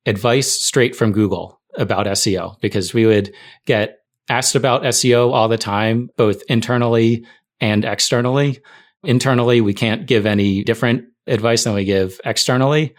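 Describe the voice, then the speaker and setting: A man's voice: medium pitch, normal speed. A middle-aged man speaking as a podcast guest, recollecting work stories in a casual conversational way. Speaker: podcast guest, tech writer.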